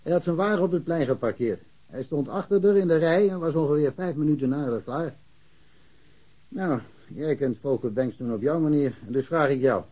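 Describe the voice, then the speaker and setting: A worldly-wise village cop in a radio play, with a mellow, husky voice. He talks freely and bluntly, full of opinions and thoroughly sure of himself. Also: fairly high pitch, animated, normal speed, muffled recording. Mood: informative, frank. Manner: talkative, colloquial, opinionated. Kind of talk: naturalistic radio drama dialogue.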